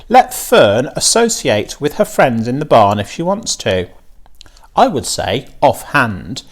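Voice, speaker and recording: A man voicing a calm, wise country doctor in a children's storybook reading, thoughtful and reassuring. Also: mid-range voice. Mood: musing.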